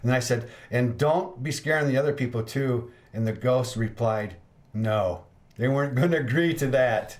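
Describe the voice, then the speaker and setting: A man's voice: medium pitch, normal speed, hardly any pauses. A man hosting a ghost-hunting podcast, telling investigation stories in casual chat. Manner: storytelling, laughs at his own tales. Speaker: ghost hunter podcast host.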